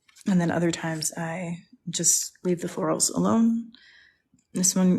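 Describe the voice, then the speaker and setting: A woman's fairly low, somewhat breathy voice with an American accent, a dark, mellow tone, ordinary pitch variation and a fairly slow pace, over a quiet background. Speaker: painter and former chemistry teacher. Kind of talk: live painting stream chat. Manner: casual, relaxed.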